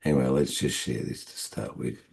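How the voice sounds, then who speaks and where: An Australian man with a hoarse, croaky voice, hosting a live trading session in a relaxed, rambling way. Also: extremely low pitch, fairly quick. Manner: relaxed, rambling with many fillers. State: hoarse after being ill. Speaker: forex trading host.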